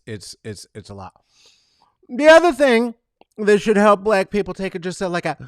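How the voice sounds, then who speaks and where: A man hosting a casual comedic monologue, rambling and profane, animated and full of fillers. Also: sits low, no room sound, studio quality. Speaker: podcast host.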